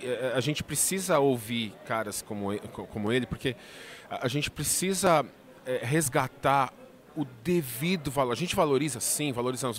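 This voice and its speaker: A man with a Brazilian Portuguese accent, co-hosting a podcast, musing in a reflective, halting way. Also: medium pitch, a bit bright. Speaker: podcast co-host. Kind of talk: podcast conversation.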